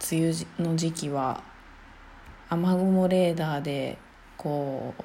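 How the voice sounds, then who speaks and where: A woman's fairly low, dark and mellow voice, very slow and flat in a monotone. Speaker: solo podcaster. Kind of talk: casual solo monologue. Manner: unedited, with pauses and fillers.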